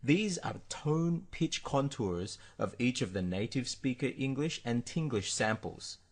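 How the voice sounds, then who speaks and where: A man reading a scripted explanation aloud in a steady, explanatory manner. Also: mid-range voice, a little slow.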